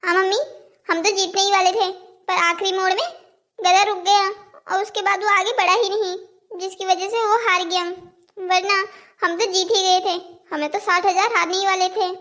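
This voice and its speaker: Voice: very high voice, flat delivery, moderate pace, sharp tone. A performer voicing a cheeky, childish boy who pleads and argues brazenly in a cartoon moral story. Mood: earnest excuses. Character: cheeky, childish cartoon boys making earnest excuses.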